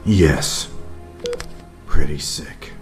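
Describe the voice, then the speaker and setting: An actor in a radio drama playing a grim, controlled vigilante hero with a terse, grave delivery. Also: male voice, very deep voice, very slow, exaggerated voice. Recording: music under the voice.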